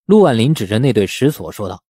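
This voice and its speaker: A man's voice: fairly low pitch, sing-song, fast, dark tone, husky, no echo, clean studio sound. A man narrating a novel as a scripted audiobook in a storytelling style.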